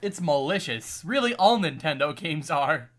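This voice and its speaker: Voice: medium pitch, lively intonation, normal speed, a bit bright. A young adult in a casual chat, arguing points and reasoning things out.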